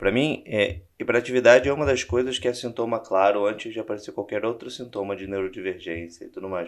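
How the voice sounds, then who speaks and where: This man's fairly low voice races at a very fast pace, its pitch shifting in an ordinary way. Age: 40s. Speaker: podcast co-host. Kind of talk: casual chat.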